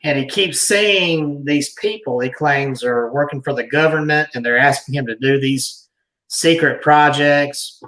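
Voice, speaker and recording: A man hosting a talk, reading an article aloud deliberately, with emphatic pauses and asides like a storyteller. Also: mid-range voice, bright, forceful tone, low-quality recording.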